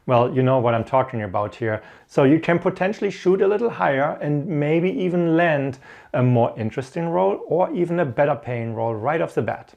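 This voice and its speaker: A man's voice: on the high side, gravelly, darkish tone. A middle-aged man from Germany with a German accent gives encouraging, explanatory career advice and tells stories from experience. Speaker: host of an IT career advice channel. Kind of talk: instructional talk with personal stories.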